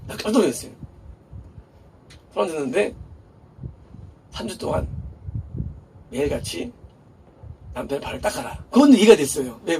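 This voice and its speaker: A man's voice: a little high, vocal fry, a little mellow. A male pastor giving a chatty, conversational sermon, posing rhetorical questions to the congregation and answering them himself. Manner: chatty and informal, with laughs in passing. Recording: voice a bit distant from the mic, faint background noise.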